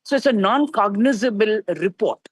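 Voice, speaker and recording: A woman's voice: mid-range voice, normal speed, slightly rough, no echo. A woman with an Indian accent giving her opinion as a news guest, emphatic and insistent. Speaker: activist commentator, news guest. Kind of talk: opinion in a live news interview.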